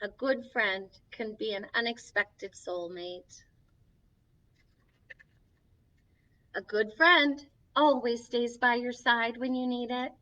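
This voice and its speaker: A woman's voice: on the high side, unhurried, sharp tone. A woman playing Snow White as a sweet, encouraging young princess, hosting a children's story time with sing-song, reassuring delivery, recorded from a distance with slightly dull sound. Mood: gentle, cheerful. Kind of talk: children's storytelling, reading a picture book aloud.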